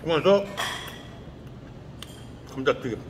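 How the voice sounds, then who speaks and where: A man's voice: a little high, expressive, slow pace, dull audio, noisy background. A man hosting an eating show, talking with his mouth full in a chatty, playful way. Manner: chatty, playful promotional patter. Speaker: host of an eating channel. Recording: long reverb with loud music behind.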